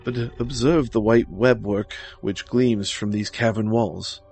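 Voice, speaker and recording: Man acting a gravelly, scheming gentleman avenger. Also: fairly low pitch, steady tone, a little slow, heavily acted. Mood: falsely concerned. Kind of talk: gothic horror storybook reading. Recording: music behind the voice.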